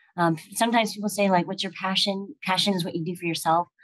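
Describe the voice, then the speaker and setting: Speaking at a fairly quick pace, a woman with a Korean accent has a medium pitch and a somewhat breathy voice. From US Midwest, suburban Ohio. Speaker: corporate executive, former cheerleader. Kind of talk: interview conversation. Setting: podcast.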